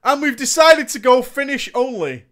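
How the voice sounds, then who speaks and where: A man's voice: very high-pitched, big pitch swings, normal speed, fairly bright tone, heavily acted. A man voicing a friendly, drunk Finnish gamer in a thick, joking foreign accent that comes out half Russian. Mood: matter-of-fact.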